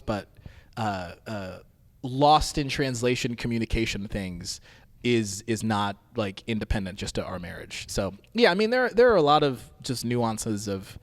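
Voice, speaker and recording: A lively man from Tanzania tells stories in a relaxed podcast chat, his voice swinging widely up and down. He laughs easily as he talks. The sound carries a long reverb tail. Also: on the low side. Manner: laughing, animated storyteller. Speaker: podcast co-host. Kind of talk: casual chat.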